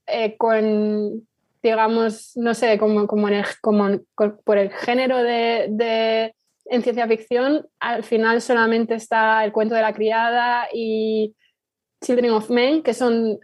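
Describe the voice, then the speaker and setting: Female guest for a casual interview, slightly high and very even in tone, explanatory, dry recording. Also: no room sound. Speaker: fiction podcast writer, interview guest.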